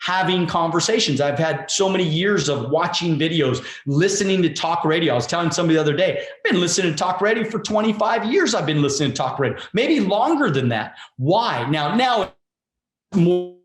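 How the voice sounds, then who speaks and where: A man in his forties speaks as a guest coach in a motivational conversation. His voice sits high and swings lively up and down. He talks emphatically and casually, repeats words and swears freely, and the room gives a roomy echo. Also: fairly quick. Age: 40s.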